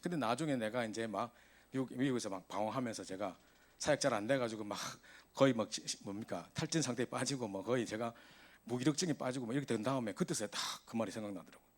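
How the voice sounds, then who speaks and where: Fast, husky-voiced man preaching. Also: mid-range voice. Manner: animated storytelling, voice rising in exasperation. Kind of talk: sermon to a youth service.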